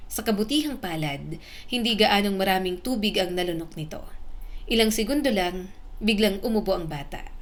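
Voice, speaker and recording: Brief: female narrator for a heartfelt drama, slow and emotional. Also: medium pitch, lively intonation. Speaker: storyteller.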